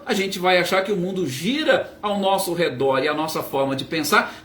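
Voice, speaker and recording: Guy teaching a study group, high voice, echoey room. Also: a bit bright, a little hiss or hum. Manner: explanatory, asks and answers his own questions. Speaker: Spiritist study lecturer. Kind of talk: study talk on a Spiritist book. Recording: roomy echo, faint ambience.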